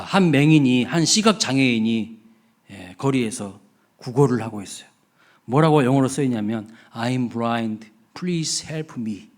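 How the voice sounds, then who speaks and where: Inside a church sanctuary, a pastor with a mid-range, slightly mellow voice preaches a Children's Sunday sermon. He tells stories and puts questions to the congregation.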